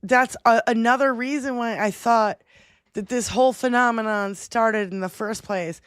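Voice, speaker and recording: A woman co-hosting a casual livestream chat, animated and joking. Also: on the high side, moderate pace, clear, resonant tone, dry recording, studio quality. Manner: animated, mocks valley-girl talk. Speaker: co-host.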